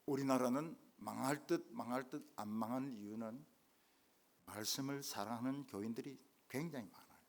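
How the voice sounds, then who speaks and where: An older man preaching a revival sermon as a guest pastor, jumping from loud exclamations to hushed asides. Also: medium pitch, normal speed, creaky. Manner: animated, swinging from loud exclamations to quiet asides. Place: church main sanctuary.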